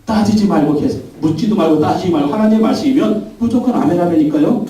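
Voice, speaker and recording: A man's voice: sits high, fast, dark tone. A man preaching a Sunday sermon as pastor, emphatic, leading the congregation in call-and-response. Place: large church sanctuary. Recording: very echoey church hall, mic at a distance.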